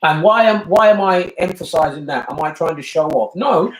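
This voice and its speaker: A man's voice: on the high side, animated, moderate pace, echoey room, rough recording. An older man with a British accent, talking earnestly and emphatically in a casual family discussion, often repeating himself for emphasis. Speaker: bishop and family talk host.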